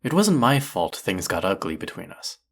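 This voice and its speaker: A man's voice: deep voice, big pitch swings, moderate pace, gravelly, a bit bright, heavily acted. A man playing a proud, combative restaurant chef in an audio roleplay, indignant, condescending and sarcastic as he argues. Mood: angry, defensive. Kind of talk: audio roleplay acting, one-sided dialogue.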